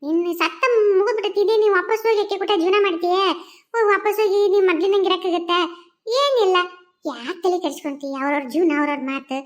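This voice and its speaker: A woman's voice: extremely high pitch, quick pace. A woman voicing a carefree murdered female ghost in a cartoon, speaking North Karnataka Kannada in a soothing, chatty, folksy manner. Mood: consoling. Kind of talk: cartoon voice acting.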